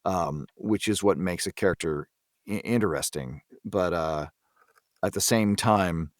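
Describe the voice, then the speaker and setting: A man with a deep voice discusses acting in a relaxed interview. He is thoughtful and halting, repeating words as he goes. The recording is very dry and close. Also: dry recording. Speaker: voice actor being interviewed. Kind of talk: casual cast discussion.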